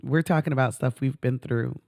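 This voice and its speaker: A woman's voice: extremely low pitch, fairly quick, a little mellow, no echo, studio quality. A middle-aged woman co-hosting a talk show, chatting casually in an emphatic, effusive way and drawing out words for stress. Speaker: podcast co-host. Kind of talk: casual chat.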